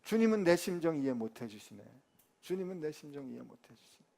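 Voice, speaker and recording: A man's voice: extremely high pitch, brisk, fairly bright tone, pitched above the performer's own voice. A male pastor voicing the apostle Paul as a frustrated man complaining that he is not understood. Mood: aggrieved. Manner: aggrieved, complaining.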